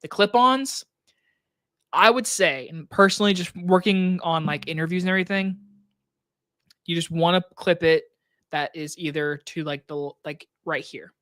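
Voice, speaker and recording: A man with a scratchy, hoarse throat hosting a casual live stream Q&A from his desk, talking loosely with plenty of likes and restarts into a microphone on a boom arm. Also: moderate pace, sharp tone, dry recording. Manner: loose, rambling talk with many likes and restarts. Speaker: movie reviewer and channel host. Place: home desk setup.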